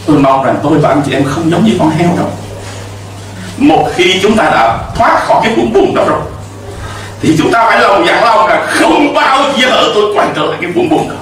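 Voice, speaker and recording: A man's voice: sits high, animated, fairly quick, fairly bright tone, heavy reverb, distant mic, slight background noise, low-quality recording. A middle-aged man preaching a sermon from a church pulpit into a handheld mic, emphatic, with call-and-response to the congregation. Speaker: pastor. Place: church stage with pulpit and cross.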